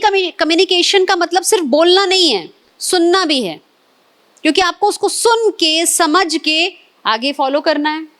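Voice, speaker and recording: A middle-aged Indian woman running an etiquette workshop, lively and coaxing the audience with questions. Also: very high-pitched. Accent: Indian Hindi. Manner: animated, quizzes and coaxes the audience. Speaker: etiquette trainer. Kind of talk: live classroom workshop.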